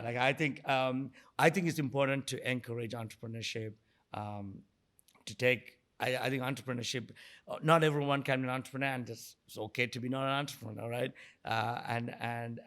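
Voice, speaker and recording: A man's voice: mid-range voice, steady tone, normal speed, a bit bright. A middle-aged man from Sri Lanka answering interview questions conversationally as a guest, often repeating words and rephrasing as he goes. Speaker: guest, entrepreneur and investor.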